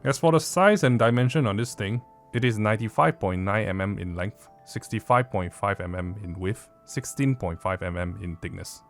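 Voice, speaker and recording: An audio gear reviewer from Southeast Asia, speaking with a Southeast Asian accent, gives a casual product review that is blunt, informal and mildly sweary. His voice is fairly low and moderately paced, with faint music in the background.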